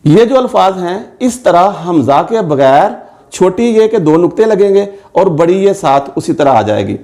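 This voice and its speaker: Man slowly spelling out words. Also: sits high, very animated, mellow. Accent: Urdu-speaking. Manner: slow, careful, spells words out syllable by syllable. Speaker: teacher. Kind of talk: online spelling lesson.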